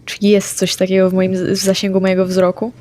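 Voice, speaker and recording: A woman playing a tabletop game, stating her character's actions in a brisk, practical way. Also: mid-range voice, monotone, dark tone. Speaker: player. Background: faint background music.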